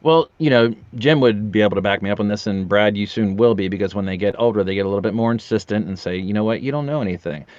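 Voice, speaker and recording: Man with muffled, roomy, lowish voice. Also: fast talker, hardly any pauses. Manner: joking, animated storyteller acting out quotes. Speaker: podcast guest, voice actor. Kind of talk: casual interview chat.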